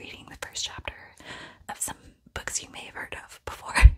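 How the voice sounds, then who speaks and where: Someone whispers over noticeable background noise. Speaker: ASMR content creator and book reader. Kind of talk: casual talk to camera introducing videos. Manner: whispered, soft.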